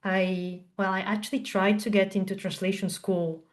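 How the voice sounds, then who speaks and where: A woman's voice: mid-range voice, flat delivery, normal speed. A woman in her thirties from southern Italy, speaking English as a second language after Italian. She tells her story as a podcast guest in a casual, chatty way, full of ums and you-knows. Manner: chatty, storytelling with frequent fillers. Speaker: guest, translator and tech co-founder.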